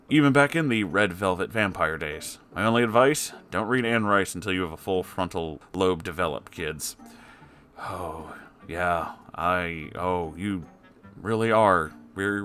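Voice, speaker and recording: A man's voice: low voice, a bit bright. A man reading a story aloud as a host, breaking in with wry, conversational asides.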